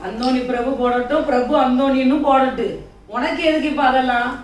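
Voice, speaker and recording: A cutting, scornful mother-in-law played by a woman in a homemade drama, snapping brusque questions in a high voice. She has a southern Tamil Nadu accent. The sound is echoey and distant, with faint noise. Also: steady tone, fairly quick, a crowd in the background, close to an everyday voice.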